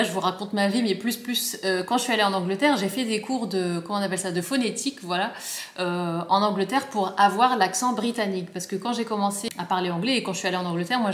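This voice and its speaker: A young woman with a northern French ch'ti accent, chatting casually on a vlog and rambling with lots of fillers and restarts. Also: mid-range voice. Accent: Picard (ch'ti), northern France. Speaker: vlogger. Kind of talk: casual chat to camera. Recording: echoey room.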